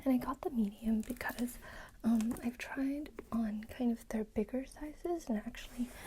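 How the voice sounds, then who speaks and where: Soft-spoken and high-pitched, a woman talks at a moderate pace with ordinary pitch variation. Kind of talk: ASMR unboxing, soft-spoken talk to camera.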